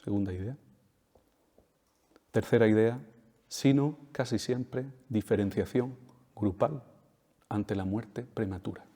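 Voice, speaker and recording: Taking it slowly with long pauses, a man whose first language is Spanish delivers a talk in a fairly low, dark voice. His lecture is emphatic, built on repeated key phrases and tag questions to the audience, recorded in a reverberant hall.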